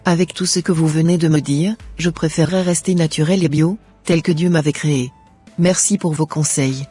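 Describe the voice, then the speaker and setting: A man's voice: a little high, fairly even intonation, moderate pace, husky. A man voicing a young Christian woman who is considering cosmetic surgery, speaking in an earnest, plain-spoken way in a cartoon. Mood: resolved. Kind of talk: amateur cartoon voice acting. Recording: soft music underneath.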